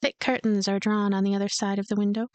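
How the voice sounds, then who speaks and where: A woman reading a game's story aloud as a let's play host, with expressive narration and casual asides. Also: medium pitch, quick pace, clear, resonant tone, no room sound. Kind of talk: voiced narration with casual commentary.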